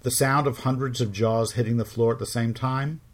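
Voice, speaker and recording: A middle-aged man hosting a podcast, telling stories in measured scripted narration with wry asides. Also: mid-range voice, steady tone. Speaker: podcast host.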